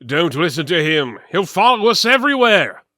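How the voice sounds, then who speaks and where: A man's voice: high-pitched, big pitch swings, normal speed, bright, forceful tone, dry recording, studio quality, pitched above the performer's own voice, exaggerated voice. A man voicing a suspicious, curt woman thief in a fantasy story. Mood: warning. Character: wary, sharp-tongued female thief in fantasy tale. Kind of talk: fantasy audiobook dramatic reading.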